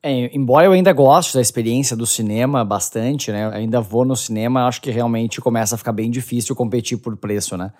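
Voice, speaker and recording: A man's voice: mid-range voice, a little fast, few pauses, darkish tone. A man with a Brazilian accent co-hosting a podcast in casual conversation. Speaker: podcast co-host.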